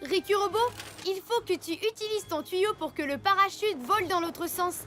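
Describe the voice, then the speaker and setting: A plucky little alien space hero, commanding his robot team with cheerful resolve. The voice sits very high. A cartoon music bed plays clearly beneath. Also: normal speed. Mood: determined. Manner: upbeat, commanding. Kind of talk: French cartoon dubbing.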